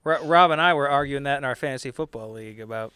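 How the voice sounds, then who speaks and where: A man co-hosting a podcast, talking in a relaxed, friendly way with lots of fillers. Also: medium pitch, fast talker. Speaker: podcast co-host. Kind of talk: casual chat.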